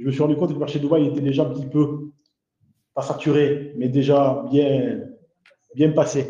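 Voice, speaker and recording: Somewhat breathy and dark, mellow in tone, a man with a fairly high pitch and a southwestern French accent speaks at a fairly quick pace amid audible room echo. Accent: southwestern French accent, noticeable. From southwestern France. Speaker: real estate investment advisor. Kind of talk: webinar Q&A.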